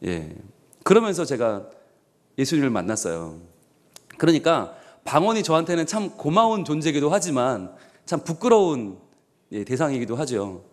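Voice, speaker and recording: A man's voice: on the high side, moderate pace. A man in his forties, a pastor from the Gyeongsang region, preaching a sermon in a church with personal stories, acting out quoted voices and joking. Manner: animated, jokey, acts out quoted voices.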